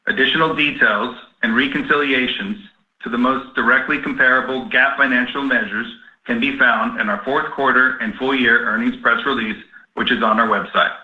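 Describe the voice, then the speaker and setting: Man, medium pitch, investor relations executive, scripted corporate introduction, echoey room, lo-fi call audio. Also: fairly even intonation, moderate pace. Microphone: conference call line. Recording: roomy, dull lo-fi conference call.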